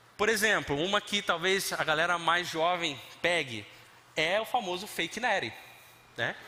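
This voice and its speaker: Over noticeable background noise, a man with a high pitch speaks in an animated tone with lively intonation, very even loudness, and long, frequent pauses. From Brazil, Rio de Janeiro. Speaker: pastor. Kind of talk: sermon. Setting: church service with audience.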